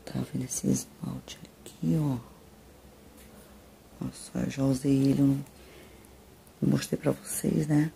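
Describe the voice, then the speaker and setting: A woman's voice: extremely low pitch, steady tone, measured pace, vocal fry, long pauses, mellow. A middle-aged woman with a Brazilian accent chatting casually to her viewers in a rambling way, recorded on a phone at home. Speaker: vlogger. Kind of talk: casual chat to camera. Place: small rooms at home, indoors. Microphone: phone at arm's length. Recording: noisy handheld home recording.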